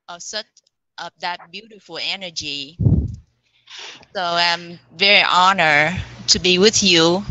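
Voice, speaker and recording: A woman from Vietnam, speaking on a call in an earnest, halting way with many fillers. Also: fairly low pitch, bright, forceful tone, no room sound, poor audio. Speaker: council member. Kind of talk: speech on an online call.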